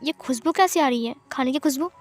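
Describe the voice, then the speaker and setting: A woman voicing a stern, irritable aunt who scolds and nags with sharp questions, in a storybook reading. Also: high voice, brisk, soft background music, natural voice. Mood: scolding.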